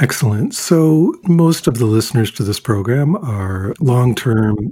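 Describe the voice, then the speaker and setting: Somewhat breathy male speech with a dark, mellow tone. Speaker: podcast host. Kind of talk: interview, conversational.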